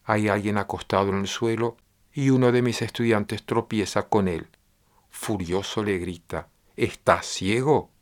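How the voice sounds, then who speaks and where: A man speaking as a meditation teacher, giving a translated discourse in a measured, repetitive, explanatory way. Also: lowish voice, steady tone.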